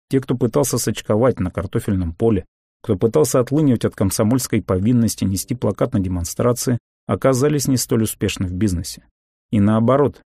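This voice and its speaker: A man reading a memoir aloud as an audiobook narrator, in a calm, measured and reflective way. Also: lowish voice, dry recording, studio quality.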